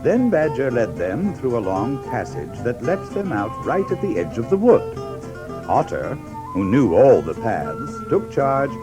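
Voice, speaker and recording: A man's voice: medium pitch, wildly swooping pitch, a little slow. A man narrating a scripted children's story as a storyteller. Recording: music behind the voice. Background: music.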